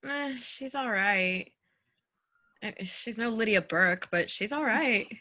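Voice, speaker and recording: A woman's voice: on the high side, takes it slowly, sharp tone, exaggerated voice. A woman playing an opinionated actress trading boastful anecdotes with friends in a comedy sketch, matter-of-fact and punchy.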